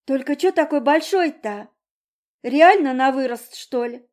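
A woman voicing a cheeky, blunt young girl, loud and high. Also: fairly even intonation, unhurried. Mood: defiant. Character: brash defiant sick young girl.

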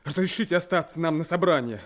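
An actor playing an eager, earnest young Komsomol soldier in a Soviet radio drama. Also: male voice, on the high side, fast, a bit bright, lightly acted. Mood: earnest plea.

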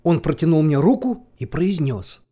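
A man's voice: fairly high pitch, moderate pace, slightly rough. An actor playing a young male student who narrates a humorous sea tale expressively in an audio play. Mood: awed, vivid. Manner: animated, expressive storytelling.

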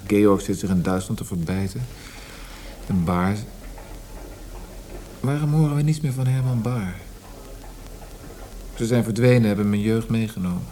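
An actor playing a proud, fretful poet in a radio drama, speaking in an earnest, precise, grumbling way. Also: male voice, lowish voice, unhurried, long pauses, mellow, a little hiss or hum, close to an everyday voice. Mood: melancholy. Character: proud, fretful, melancholy male poet and librettist.

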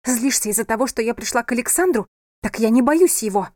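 A woman's voice: lively intonation, fast, no room sound, studio quality. A woman reading aloud and voicing a defiant, tearful young wife who raises her voice and argues back. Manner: shrill, raised, pleading.

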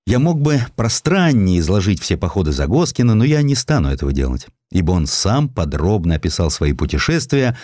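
A man's voice: low voice, a little mellow, no echo, studio quality. A man reading historical essays as an audiobook narrator, telling them expressively with wry, theatrical emphasis.

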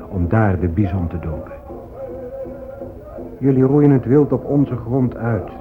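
An actor playing a proud, aggrieved Native American hunter chief in a solemn radio drama oration. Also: male voice, medium pitch, lightly acted. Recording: muffled phone-like old radio recording. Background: music.

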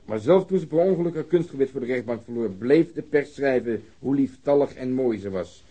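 A man's voice: mid-range voice, lively intonation, a little fast, warm tone, husky, highs cut off. A man playing a dry, mocking, easygoing police detective in a radio drama, with a wry, casual manner.

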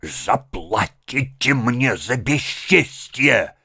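A man voicing a blustering, loud-mouthed middle-aged bully who shouts and rants. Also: fairly high pitch, very animated, moderate pace, vocal fry, no echo, clean studio sound, voice pushed up, full character voice. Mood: ranting. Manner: shouting, ranting.

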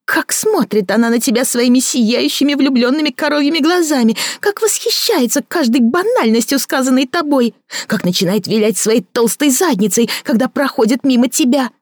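A bitter, jealous woman hurls scornful accusations in a shrill, overwrought voice, as a female reader puts her on. The sound is dry and close, with nothing behind it. It is an audiobook character voice. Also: expressive, moderate pace, no echo. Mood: accusing, scornful.

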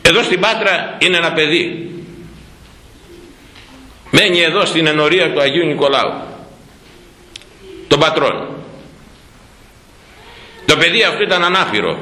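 Priest guy preaching, pitch jumps all over, keeps asking questions and repeating himself. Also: pauses often, reverberant, low-quality recording. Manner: animated storytelling, rhetorical questions, repeats words. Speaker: priest, former head of a parish church. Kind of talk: sermon.

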